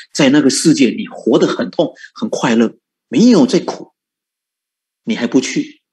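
A man giving a Buddhist dharma talk as a monk teacher, asking rhetorical questions and chuckling often. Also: medium pitch. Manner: animated, rhetorical questions, frequent chuckles and drawn-out particles.

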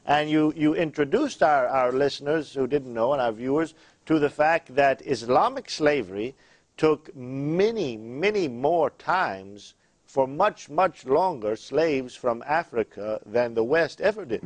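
A man from Iraq hosts a Christian studio talk show in a preacherly tone, full of "amen" affirmations and "uh" fillers. His voice sits at a middle pitch. The studio mic gives it a close, dry sound. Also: lively intonation, a little slow, dry recording.

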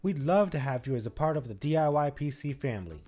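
A man's voice: medium pitch, animated, fast, dark tone, faint music behind. A man, co-host of a home-improvement channel, giving a scripted step-by-step voice-over on installing a shelf. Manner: instructive, step-by-step.

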